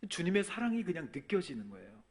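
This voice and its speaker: A man preaching a sermon as a pastor, telling a personal testimony and swinging between soft and loud. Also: a little high, very animated, fast. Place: church sanctuary.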